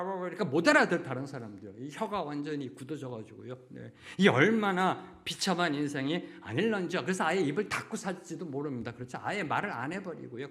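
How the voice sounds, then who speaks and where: Man, middle-aged pastor, sermon, slightly high voice, rhetorical questions, frequent affirming fillers. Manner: acts out brief quoted voices, at times shouting.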